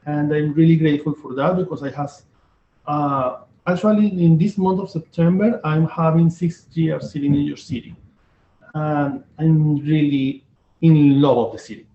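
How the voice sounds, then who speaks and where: A man from Venezuela with a Venezuelan Spanish accent, hosting a casual interview and often halting to search for words. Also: fairly high pitch. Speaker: host. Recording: echoey, dull lo-fi room sound.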